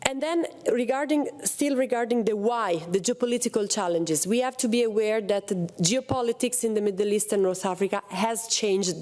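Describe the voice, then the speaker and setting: A woman's voice: mid-range voice, darkish tone. A woman from Italy, speaking on a policy panel, hesitant with many fillers and restarts. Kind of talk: panel talk on security policy.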